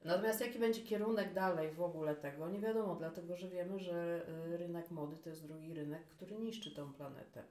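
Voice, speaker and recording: A woman who runs a fashion business speaks as a guest in a casual conversational interview, hesitant and full of fillers. Her voice is on the low side and dark in tone, fairly quick with hardly any pauses. She is off-mic in a room with noticeable echo.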